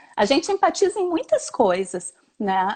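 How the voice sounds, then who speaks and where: A woman speaks at a fairly slow pace. She has a strong Porto Alegre accent. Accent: strong gaúcho Porto Alegre. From Brazil, Porto Alegre (Rio Grande do Sul). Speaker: theology doctoral researcher and educator. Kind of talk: live online talk on philosophy. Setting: video livestream.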